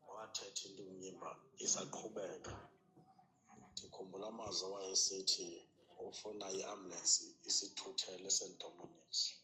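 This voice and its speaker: A man's voice: low voice, bright, forceful tone, rough recording. A man, heard in a played-back voice message, speaking casually. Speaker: voice note sender.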